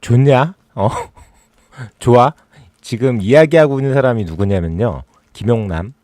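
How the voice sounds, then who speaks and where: A man's voice: mid-range voice, unhurried, a little mellow, dry recording, clean studio sound. A man hosting a casual political livestream, talking sarcastically and mockingly and working himself up into exasperated rants. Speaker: political YouTube host.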